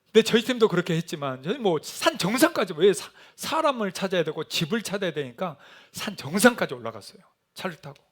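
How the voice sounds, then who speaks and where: A middle-aged male pastor preaching a sermon, telling a mission story with animated storytelling and acted-out shouted quotes. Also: high voice, fairly quick, few pauses.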